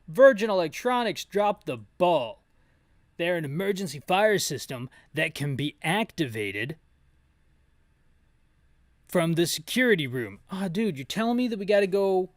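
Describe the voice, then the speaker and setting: Casual man with a slightly high voice. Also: no room sound, studio quality. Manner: casual, jokey, opinionated. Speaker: video game playthrough host and narrator. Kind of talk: rambling game commentary with descriptive narration. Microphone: close mic, bumped now and then.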